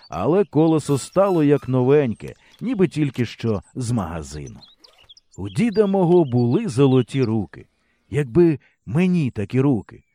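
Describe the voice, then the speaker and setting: Guy narrating an audiobook, warm darkish voice, tells it expressively. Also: mid-range voice, dry recording. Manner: lively storyteller's delivery.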